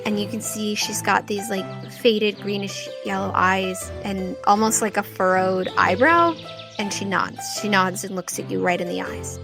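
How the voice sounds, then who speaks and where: Woman, slow, mid-pitched, game master, improvised scene narration, faint music behind. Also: gravelly.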